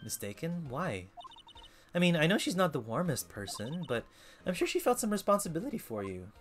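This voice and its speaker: A man's voice: on the high side, big pitch swings, a little fast, soft background music, voice pushed up. A man voicing an earnest young lawyer. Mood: puzzled. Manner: puzzled, questioning.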